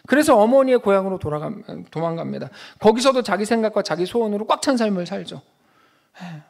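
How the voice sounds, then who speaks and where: Male pastor, high-pitched, preaching emphatically to his congregation. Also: expressive, fairly quick, vocal fry. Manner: emphatic, rhetorical questions to the congregation. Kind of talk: sermon.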